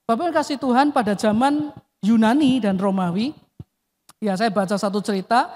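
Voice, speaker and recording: A man's voice: high voice, moderate pace, a little mellow. A male pastor preaching a sermon, emphatic, often addressing the congregation and dropping his voice at the end of phrases. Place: church hall. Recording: long reverb of a church hall.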